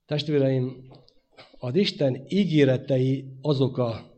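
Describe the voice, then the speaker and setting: A man preaching a sermon, his delivery swinging from loud emphatic phrases to hushed endings. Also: mid-range voice. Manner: dynamic preaching, rising loud then dropping to hushed.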